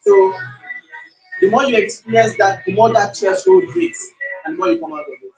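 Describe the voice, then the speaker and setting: A man runs a public speaking workshop, his voice pitched high and swinging widely as he repeats lines to rouse the crowd. The sound bounces around an echoey room, with faint music underneath. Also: moderate pace, creaky. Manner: animated, repeats phrases, hypes the audience. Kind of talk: live workshop coaching.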